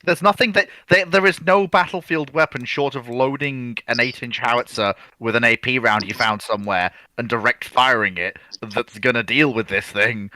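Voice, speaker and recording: A man's voice: mid-range voice, normal speed, few pauses, bright, forceful tone, dry recording, low-quality recording. A man in an informal debate, arguing his points and repeating them as he rephrases. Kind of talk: informal military history debate.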